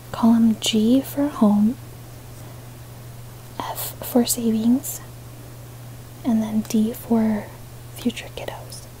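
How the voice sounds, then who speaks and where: The speaker is soft-spoken. Noticeable background noise runs underneath. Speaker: budgeting content creator. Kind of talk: casual talk to camera.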